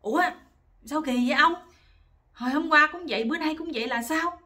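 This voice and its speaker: A woman's voice: a little fast, a bit bright, close to an everyday voice. A woman voicing an exasperated older wife who scolds her husband. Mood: indignant. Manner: shrill, scolding complaints.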